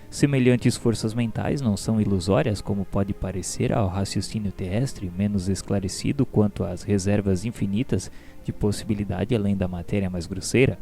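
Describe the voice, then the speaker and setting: A man with a Brazilian accent playing an earnest, curious spirit pupil who narrates a radio drama in a measured, formal, solemn way. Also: fairly low pitch, mellow. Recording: music behind the voice.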